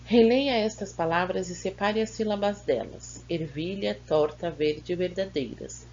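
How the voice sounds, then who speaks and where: A woman's voice: fairly low pitch, measured pace, darkish tone, dull audio, a little hiss or hum. A woman teacher with a Brazilian Portuguese accent, patiently going over schoolbook exercises and sounding out words syllable by syllable.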